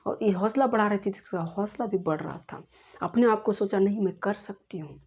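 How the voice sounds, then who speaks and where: A woman teacher retelling a story for a class in an animated, repetitive way. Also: medium pitch, moderate pace, slightly rough. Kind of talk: storytelling lesson.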